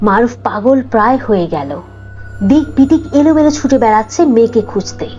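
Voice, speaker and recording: A woman's voice: fairly high pitch, lively intonation, fairly quick, a little mellow, dull audio, faint music behind. A woman narrating a scripted cartoon story.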